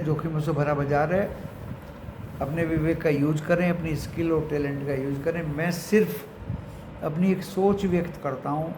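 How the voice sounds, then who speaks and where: A man with an Indian accent giving unscripted market commentary to his viewers, mixing in English phrases and addressing them like friends. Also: on the high side. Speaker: stock market commentator and channel host. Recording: echoey room with clear background noise.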